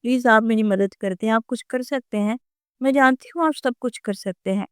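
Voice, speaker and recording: A woman's voice: a little high, clear, resonant tone, no room sound, clean studio sound, natural voice. A woman reading the lines of a frightened young female student who pleads for help through tears. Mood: pleading. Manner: pleading, tearful.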